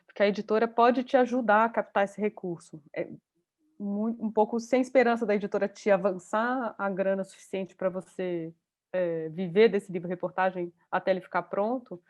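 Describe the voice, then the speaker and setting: A woman's voice: medium pitch, steady tone, normal speed, darkish tone. Woman teaching journalism online, chatty, lots of fillers, video call audio. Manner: chatty, thinks aloud with many fillers. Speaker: journalism course instructor.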